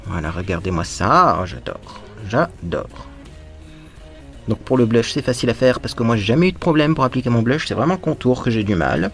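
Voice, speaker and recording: A man's voice: mid-range voice, animated, quick pace, few pauses, a bit bright. Man, makeup tutorial host, chatty and playful, mid-range voice, faint music behind. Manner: chatty and playful, with little sound words; talks to viewers while applying makeup. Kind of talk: casual makeup tutorial chat.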